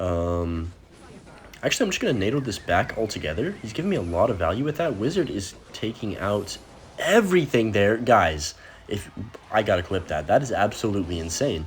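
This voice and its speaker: Amid noticeable background noise, a man with a fairly low voice makes very wide pitch swings. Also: fairly quick pace. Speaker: gaming youtuber. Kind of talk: gameplay commentary. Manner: casual, filler-heavy.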